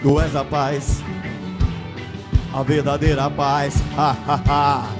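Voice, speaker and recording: Brief: Brazilian male worship leader, high voice, leading the congregation in song over a loud band. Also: monotone, slow pace. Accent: Brazilian Portuguese. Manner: leads the congregation with call-outs between sung lines. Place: church sanctuary. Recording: loud band music under the voice. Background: live band music.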